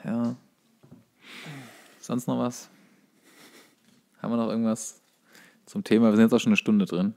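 A man's voice: lowish voice, flat delivery, a little slow, vocal fry, pauses often, darkish tone. A man co-hosting a podcast in casual chat, telling stories in an informal, loosely rambling way. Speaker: podcast co-host.

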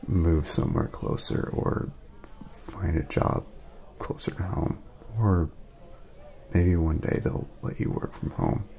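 A man speaking softly in a casual ASMR roleplay, laid-back and friendly, chatting as if to a friend. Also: low voice, steady tone, takes it slowly. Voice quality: soft, breathy at times, creaky.

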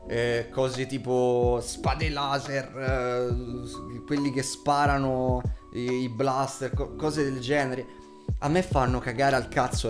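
Young male vlogger, twenties. Mid-pitched, informal, slangy review delivery over clear guitar music. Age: 20s. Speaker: YouTube reviewer. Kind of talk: casual spoken TV series review. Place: small home room with shelves, indoors. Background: background guitar music.

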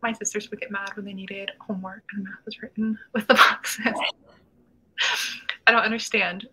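Bright-voiced young woman hosting a livestream. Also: medium pitch, little pitch movement, normal speed, slightly rough, low-quality recording. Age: 20s. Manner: chatty, reads chat comments aloud, laughs often. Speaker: host. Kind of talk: casual livestream chat. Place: small room at home, indoors. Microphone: webcam video call.

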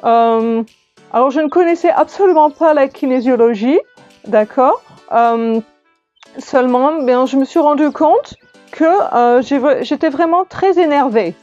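A woman playing a prim, flustered grown woman who gives a hesitant testimonial in a comic sketch, full of pauses and fillers. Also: high-pitched, a little mellow, muffled recording, soft background music.

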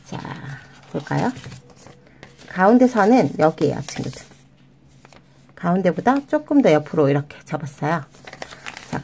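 A woman hosting a children's origami tutorial, explaining each fold step by step in a gentle, sing-song way and addressing the kids as friends. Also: on the low side, slight background noise. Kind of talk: step-by-step craft instruction.

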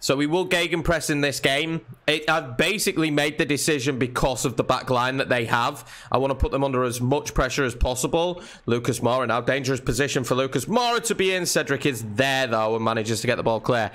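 A young man with a slightly nasal, croaky voice from a cold, chatting casually as he commentates his own football video game. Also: medium pitch, a little fast, hardly any pauses. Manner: chatty, excitable at chances. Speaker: gaming channel host.

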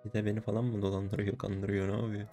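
A young man giving casual gaming commentary, excitable and given to swearing, shouting when he wins. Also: fairly low pitch, fast talker, faint music behind. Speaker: gaming streamer.

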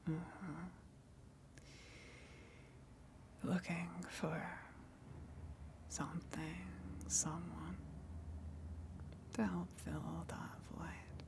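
A woman playing a gentle eldritch tentacle monster in an ASMR roleplay, coaxing and soothing in a breathy whisper with long pauses. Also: lowish voice, exaggerated voice. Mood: soothing, knowing.

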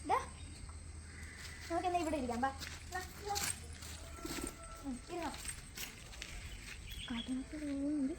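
A woman's voice: sits high, a little slow, pauses often, very noisy. A woman talking to her pet bird in a garden, coaxing it in baby talk and chatting about its habits for a casual vlog. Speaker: pet vlogger.

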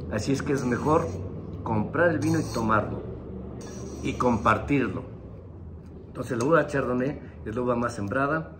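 A man's voice: mid-range voice, background noise. A man co-hosting a wine segment, explaining in a teaching way and addressing viewers directly. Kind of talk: explanatory wine tasting talk.

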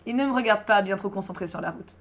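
A woman reading aloud the lines of a young male French singer, a tender lover, in a plain calm voice. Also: medium pitch, fast talker, natural voice. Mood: wistful. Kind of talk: reading visual novel dialogue aloud.

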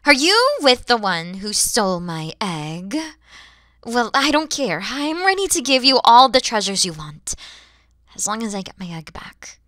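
A woman's voice: fairly high pitch, very animated, unhurried, a bit bright, no echo, studio quality. A woman voicing a proud, wary, motherly female dragon in a theatrical, menacing ASMR roleplay, at times dropping into whispers. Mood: suspicious, stern. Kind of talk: ASMR audio roleplay acting.

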